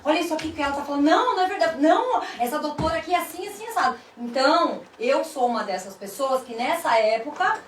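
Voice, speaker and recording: A woman's voice: high voice, animated, fast, hardly any pauses. A woman with a Brazilian accent hosting a talk show conversationally, acting out remarks as she tells them. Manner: chatty, acts out quoted remarks. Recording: echoey room, distant mic, background noise.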